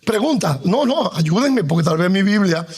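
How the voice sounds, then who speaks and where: Man preaching, high voice, emphatic drawn-out stresses, calls for the congregation to repeat, joking asides. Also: expressive, slightly rough. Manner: conversational humor woven into Bible teaching. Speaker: pastor. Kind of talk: sermon.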